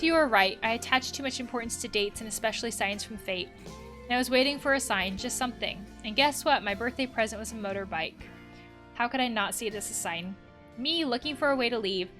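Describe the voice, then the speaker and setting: A woman's voice: fairly high pitch, a bit bright, close to an everyday voice. A woman voicing a troubled, earnest eighteen-year-old trans woman from a video game, reading her written messages in a confessional way.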